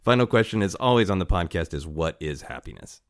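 A man with a deep voice hosts a casual podcast. He is wry and playful in an easy conversational way. The sound is dry and close. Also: lively intonation, fairly quick, no echo. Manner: chuckles often, wry and playful. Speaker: podcast host.

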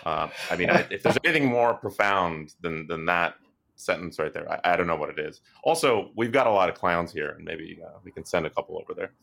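A man chatting casually as a panellist, halting as he goes, with a deadpan manner. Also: sits low, creaky. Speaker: journalist, roundtable panellist. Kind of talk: casual chat.

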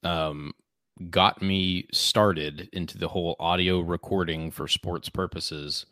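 A man co-hosting a casual podcast, talking in a halting way with many fillers and restarts. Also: low voice, fairly even intonation, pushed and bright, dry recording, studio quality. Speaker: podcast co-host. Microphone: podcast microphone.

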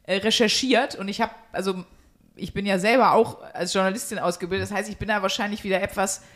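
A woman's voice: mid-range voice, fairly even intonation, fast talker, fairly bright tone. A woman hosting a podcast in casual, jokey chat, using slang and some English words, recorded at home. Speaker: podcast host.

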